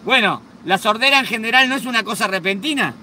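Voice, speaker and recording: A man with a Rioplatense accent telling a joke as a rabbi's lesson, conversational and animated. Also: sits high, fast talker, a little hiss or hum. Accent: Rioplatense Spanish. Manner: animated, conversational, acting out each character. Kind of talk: storytelling sermon.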